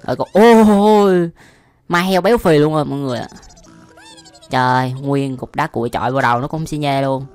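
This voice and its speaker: A man's voice: a little high, brisk, smooth, faint music behind. A young man with a Southern Vietnamese accent giving casual, slangy, exclamatory reaction commentary as a video host. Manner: slangy, frequent exclamations and laughter.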